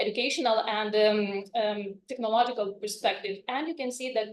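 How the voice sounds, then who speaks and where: With a Lithuanian accent, a woman talks at a fairly quick pace with ordinary pitch variation. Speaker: university lecturer in translation. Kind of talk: conference presentation. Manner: hesitant, many fillers.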